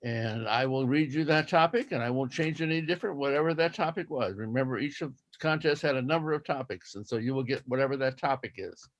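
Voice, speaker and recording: A man acting as toastmaster of a speech contest, explaining rules methodically and repeating himself deliberately. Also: medium pitch, muffled recording.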